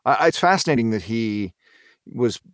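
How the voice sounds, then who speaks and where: A man speaking as an interview guest, thinking aloud in a halting, reflective way with repeated words. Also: mid-range voice, animated, no echo, studio quality. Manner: hesitant, thoughtful, halting delivery with repeated words.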